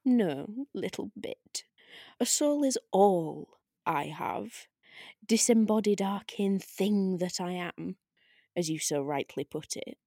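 Woman doing a smug disembodied spirit for an audio drama, slow n needling, super dry sound. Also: mid-range voice, animated, warm tone, no room sound. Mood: mocking, teasing. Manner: drawn-out, sardonic, needling. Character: taunting disembodied arcane spirit, silky and provoking. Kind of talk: audio drama table read.

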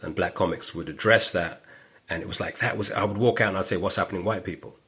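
A middle-aged stand-up comedian from northwest London with a London accent, chatting on a podcast in a lively storytelling way. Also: male voice, deep voice, fast talker, breathy edge. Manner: animated storytelling, acts out quoted voices. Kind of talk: casual podcast conversation.

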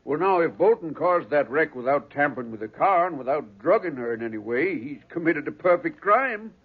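A man's voice: on the high side, expressive, a little fast, slightly rough. A man playing a skeptical small-town police chief with folksy, blunt speech in a 1940s radio crime drama. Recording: muffled, narrow-band old radio recording.

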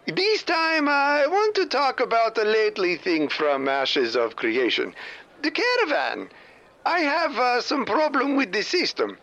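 A man voicing a brash comic caller from overseas, speaking in broken grammar with cheeky deadpan jokes, heard as a played-back voicemail message. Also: extremely high pitch, unhurried, heavily acted. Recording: dull lo-fi voicemail playback.

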